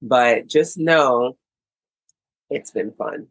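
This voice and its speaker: A woman's voice: very deep voice, drawn-out words, husky, dry recording, rough recording. An American woman co-hosting a casual podcast chat, chatty and playful. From United States. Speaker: podcast co-host.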